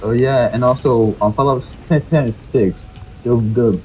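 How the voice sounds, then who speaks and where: A man's voice: mid-range voice, moderate pace, dark tone, muffled recording. Regular guy tossing in offhand comments, mid voice, faint room hum. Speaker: friend in a gaming chat.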